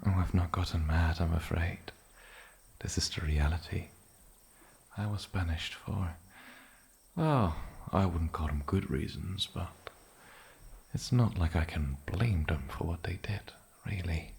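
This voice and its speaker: A man playing an ancient, lonely and possessive island demon in a soft-spoken ASMR fantasy roleplay, breathy and often slipping into whispers, with a halting, sinisterly polite menace. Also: deep voice. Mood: calmly threatening.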